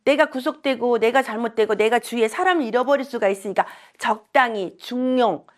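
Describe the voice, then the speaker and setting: Chatty high-voiced woman teaching. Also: a little fast. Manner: chatty, animated storytelling, acts out quoted voices. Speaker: shaman and saju teacher. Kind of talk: casual lecture with anecdotes.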